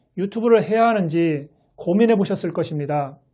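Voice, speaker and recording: A man's high voice in a dark, mellow tone, with ordinary pitch variation at a moderate pace. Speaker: business lecturer. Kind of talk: lecture. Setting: recorded video alone. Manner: halting.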